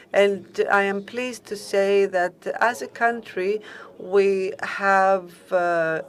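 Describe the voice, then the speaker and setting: A woman giving formal remarks on a conference panel, in a halting, measured way as she searches for words. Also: mid-range voice.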